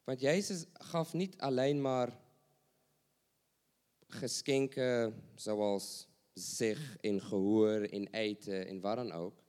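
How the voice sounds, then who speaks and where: A man's voice: lowish voice, slow, darkish tone. A man preaching a sermon, asking rhetorical questions and repeating phrases for emphasis.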